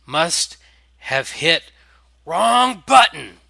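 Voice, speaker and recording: A lewd, cheesy vampire biker acted out by a man leers through flirty lines. The voice is pitched up and very forceful, with exclamations swooping out of a dry storybook reading. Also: very animated, extremely slow, vocal fry, no room sound, exaggerated voice. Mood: strained. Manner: leering, exclamatory, cartoonishly flirty.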